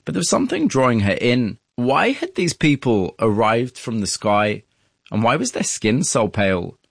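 A man hosting and narrating, telling the story in a measured way and asking interview questions in a studio. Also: mid-range voice, very animated, creaky, dry recording. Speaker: host and narrator. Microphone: studio mic.

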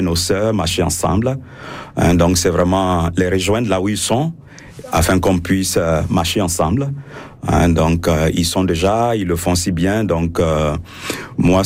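A man's voice: low-pitched, a little mellow, no room sound. A French-speaking man, a priest, answering radio interview questions with many fillers and restarts.

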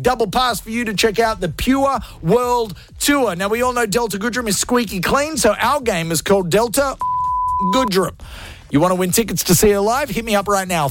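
High-pitched aussie radio guy, way too much energy, jokes at his own expense, faint music under him. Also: fairly bright tone. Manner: hyped, jokey, self-mocking. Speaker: radio host. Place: radio studio.

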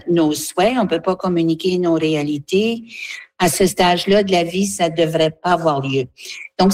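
A woman, a guest speaking earnestly for a seniors' association, pausing often with fillers. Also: on the low side, darkish tone. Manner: earnest, halting, with many fillers. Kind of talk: radio interview, advocacy.

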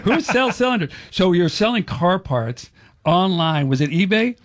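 A man's voice: high-pitched, very animated, normal speed. A middle-aged man hosting a casual radio talk show, chatty and jokey with an upbeat manner.

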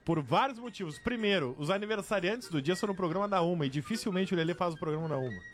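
A male radio panelist from Brazil, talking fast in a high voice. He is insistent and contrary in casual banter, with faint music behind him. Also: expressive. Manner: contrary, insistent, correcting the others.

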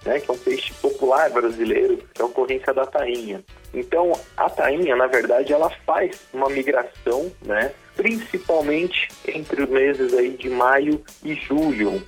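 A marine biologist explains in a steady, mid-pitched male voice, leaning on rhetorical questions. Faint music sits under the recording. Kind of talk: recorded expert answer.

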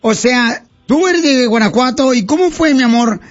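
A man's voice: very high voice, expressive, moderate pace, faint music behind. A man hosting a radio call-in show, playful and teasing, calling the caller sweet names. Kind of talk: joking radio call-in chat. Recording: muffled radio broadcast.

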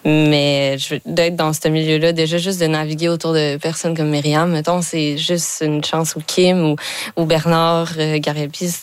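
A woman's voice: deep voice, little pitch movement, clean tone, dry recording. A young woman with a Quebec French accent, a filmmaker guest in an interview, talking eagerly with many fillers. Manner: enthusiastic, fast, many fillers. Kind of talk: casual interview talk.

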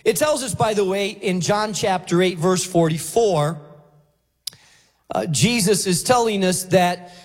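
Male preacher from Spain, high-pitched, emphatic and deliberate sermon delivery, reverberant hall. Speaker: pastor preaching. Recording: reverberant hall, faint music.

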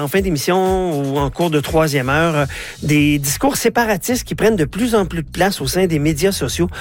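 Middle-aged male radio host, Canadian French accent, slightly high voice, a touch congested, halting delivery. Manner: hesitant, many fillers and restarts. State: has a head cold, coughing a little. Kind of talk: radio show hosting and chat.

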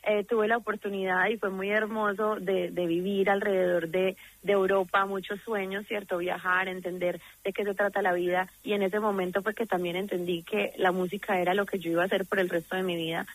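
A woman's voice: mid-range voice, little pitch movement, brisk, hardly any pauses, rough recording. A young woman from Medellín with a paisa Colombian accent, a singer talking earnestly and effusively in a promotional interview. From Medellín, Colombia; grew up in the United States. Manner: earnest and effusive, frequent restarts. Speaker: singer guest.

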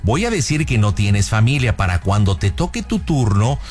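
A man's voice: lowish voice, sing-song, normal speed, soft background music. A man hosting a radio prank show, teasing and playful. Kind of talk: casual radio chat.

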